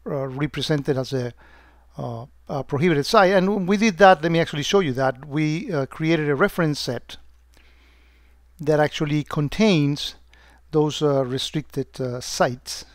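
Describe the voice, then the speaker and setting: Man, software demo narration, somewhat high voice, dry close sound, halting, filler-heavy. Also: dry recording. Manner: hesitant, many fillers and restarts. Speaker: security software presenter. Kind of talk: screen-recorded software demo.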